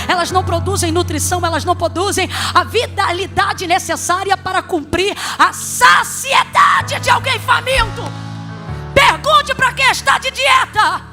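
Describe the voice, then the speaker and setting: A woman preaching a sermon, telling funny stories with sudden shouted peaks. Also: very high voice. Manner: animated, humorous storytelling with sudden shouted peaks.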